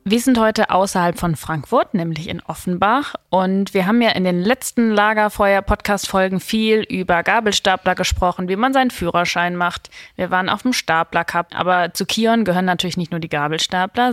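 A woman's voice: mid-range voice, no echo, clean studio sound. A woman hosting a podcast, asking questions in an upbeat, chatty way. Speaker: podcast host. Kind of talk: podcast interview.

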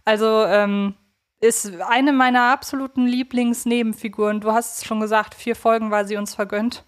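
A woman's voice: fairly high pitch, steady tone, normal speed. A woman co-hosting a podcast, talking through an analysis in a conversational, reflective way, feeling for her words. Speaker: podcast co-host.

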